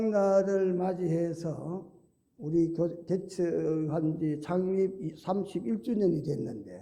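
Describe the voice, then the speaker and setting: The speech moves at a very slow pace in a dark, mellow tone. Room echo is clearly audible. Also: man. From Gyeongsang region, Korea. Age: old. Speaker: retired senior pastor. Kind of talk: sermon. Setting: church.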